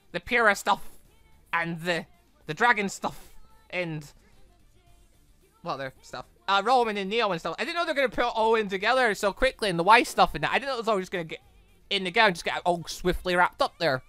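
Brief: male gaming host, bright tone, dry close mic, chatty and rambling. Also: high voice, expressive, brisk, smooth, no room sound, soft background music. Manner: rambling and enthusiastic, many fillers. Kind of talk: casual let's-play wrap-up talk.

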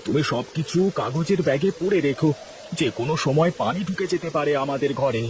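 A man's voice: a little high, expressive, fairly quick, darkish tone, a little hiss or hum, lightly acted. A man voicing a practical village husband in a cartoon, speaking plainly and steadily. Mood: urgent. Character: practical poor villager husband, male, calm. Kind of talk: cartoon voice acting.

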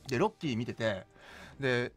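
A man's voice: medium pitch, expressive, normal speed, husky. A young man chatting casually as a guest in a small radio studio. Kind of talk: casual chat. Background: faint music.

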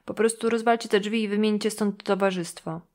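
A woman's voice: mid-range voice, steady tone, brisk, darkish tone, lightly acted. A woman doing a leering old neighbor man. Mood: insinuating. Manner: drawling, insinuating. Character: paunchy leering male neighbor in his sixties.

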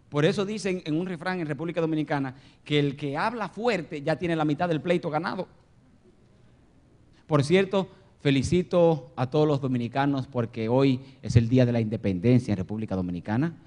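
A pastor delivers a fiery sermon in a church. His voice sits notably high for a man. He swings from ringing exclamations down to hushed, drawn-out murmurs. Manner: impassioned preaching, swinging from loud exclamations to low murmurs.

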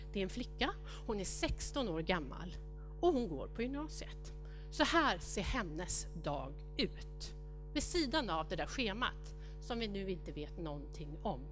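A middle-aged woman giving a conference keynote in a large lecture hall, rattling off lists and speculating aloud. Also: mid-range voice. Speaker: keynote speaker.

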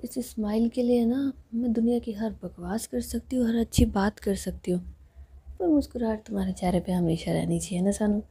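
A devoted, teasing young woman in love, voiced by a woman narrator. Her voice is dark and husky and half whispered. She sounds like a figure in a homemade audio love story. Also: on the high side, fairly even intonation, normal speed. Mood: affectionate.

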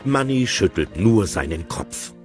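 A man narrating an audio drama in a lively storytelling way. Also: on the low side, unhurried. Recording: clear music bed.

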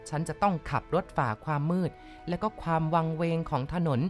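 A woman narrating a ghost story in a measured, dramatic storytelling manner. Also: sits low, soft background music.

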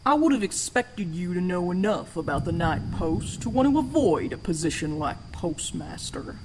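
A woman's voice: on the low side, sing-song, normal speed, noisy background. A woman playing a mysterious, teasing stranger in an audio drama, folksy in speech and out for bargains. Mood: appraising.

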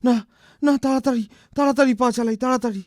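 A man's voice: very high voice, steady tone, fast, a little mellow, dry recording, clean studio sound. A man voicing a witty, cheeky court jester in a cartoon, who can be bossy. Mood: flustered. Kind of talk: cartoon voice acting. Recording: music behind the voice.

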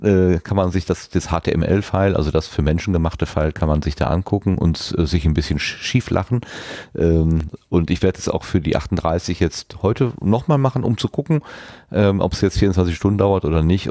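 A man's voice: low-pitched, warm tone, dry recording, studio quality. A man hosting a podcast in a casual, conversational style. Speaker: podcast host.

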